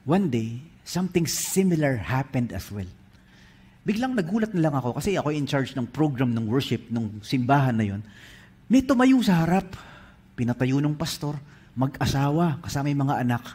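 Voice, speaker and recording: Husky Filipino-accented man preaching. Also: medium pitch, normal speed. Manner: animated storytelling, switches between English and Filipino. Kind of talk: sermon.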